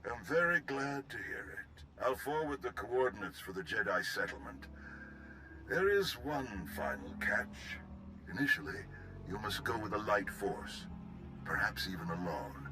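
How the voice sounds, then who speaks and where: A grave military general with a low, steady voice, urging an ally into action. He speaks in measured, serious tones over an orchestral game score. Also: music in the background. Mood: urgent. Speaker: Republic general. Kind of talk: video game cutscene dialogue.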